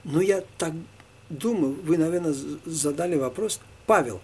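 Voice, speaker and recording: Husky tatar guy answering church questions, lots of um and restarts. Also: fairly high pitch. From Tatarstan, Russia. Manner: halting, with many fillers and restarts. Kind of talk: informal religious talk answering questions one by one.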